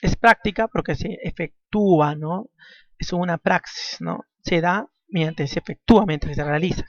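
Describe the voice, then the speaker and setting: A man with a voice that sits high teaches a language class at normal speed, repeating key points and closing almost every phrase with a questioning tag. The classroom lecture is captured in a dull, dry, lo-fi recording.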